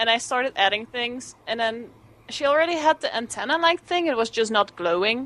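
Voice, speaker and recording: Against a quiet background, a woman with a Dutch accent talks at a moderate pace in a fairly high pitch, her bright, sharp tone marked by very wide pitch swings. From Netherlands. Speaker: furry artist. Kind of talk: casual interview chat.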